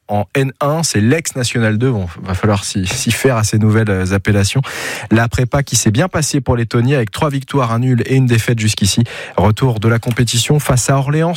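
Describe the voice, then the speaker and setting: A man's voice: medium pitch, dry recording. Male radio newsreader, dry close sound. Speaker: radio news presenter. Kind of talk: news bulletin reading with informal asides.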